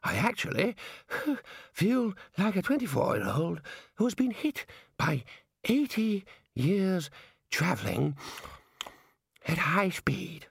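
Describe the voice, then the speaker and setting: A man voicing a frail, muddled old wizard with a wheezy, halting, quavering delivery in a fantasy storybook reading. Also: sits high, very animated, vocal fry, breathy edge, dry recording, clean studio sound, voice pushed up, heavily acted. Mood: panting, strained.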